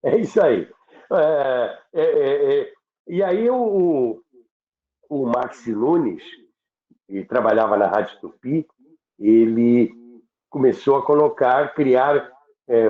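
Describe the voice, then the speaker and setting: A man with a Brazilian accent telling anecdotes deliberately and haltingly on a podcast, repeating himself for emphasis. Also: mid-range voice. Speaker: radio history storyteller on a podcast. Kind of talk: anecdotal storytelling talk. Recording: roomy, tinny phone-like sound.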